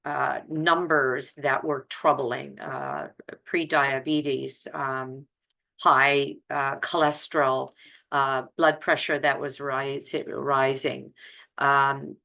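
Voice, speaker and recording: An older woman talking informally as a health coach and video host, in a halting, deliberate way with pauses mid-phrase. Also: rumbling low, flat delivery, vocal fry, pushed and bright. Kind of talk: informal talk to camera.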